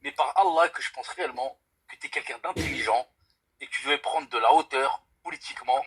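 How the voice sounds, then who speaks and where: A man's voice: medium pitch, fairly quick, slightly rough, poor audio. A young man from France calling in to a live stream, speaking earnestly and emphatically and swearing by God to stress his points. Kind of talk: casual debate call.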